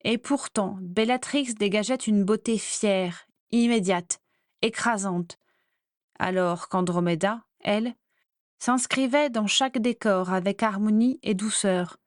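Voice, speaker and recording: A woman narrates a fantasy audiobook in a measured, clear storytelling voice at a middle pitch. Her reading is recorded dry and close. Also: no room sound. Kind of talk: scripted narration.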